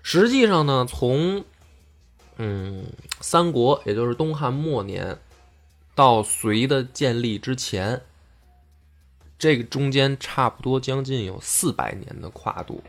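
A man hosting a casual history podcast, explaining deliberately and often rephrasing himself. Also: mid-range voice, expressive, faint music behind. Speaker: podcast host.

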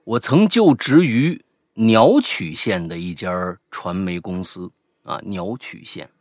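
A man co-hosting a casual podcast, reading out a listener's ghost story with lively asides and banter. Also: low-pitched, takes it slowly, dry recording, clean studio sound. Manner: lively, animated retelling with asides.

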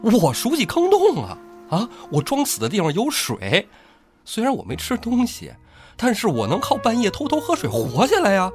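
An actor in a radio drama playing a vengeful, gloating miner turned killer, with a maniacal manner. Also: male voice, sits high, huge pitch swings, normal speed, exaggerated voice. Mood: gloating, sinister. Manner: gloating, breaking into maniacal laughter and sobbing. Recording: music behind the voice.

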